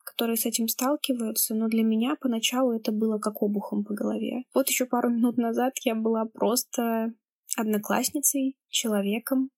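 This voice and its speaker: Young woman, late teens, slightly high-pitched, calm and measured, personal first-person account. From Kamchatka, Russia. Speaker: storyteller. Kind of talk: personal account, reflective narration.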